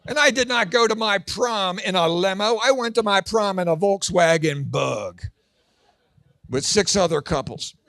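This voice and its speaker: Man, sixties, christian stand-up comedian, animated storyteller, high voice, dry close sound. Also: normal speed, no echo. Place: large event hall with an audience.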